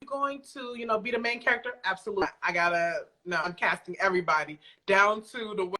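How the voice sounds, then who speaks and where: A woman's voice: medium pitch, fast talker, bright, forceful tone. A woman chatting as an interview guest, speaking in an emphatic, playful, slangy way. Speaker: guest, audio drama creator. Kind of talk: casual conversational interview.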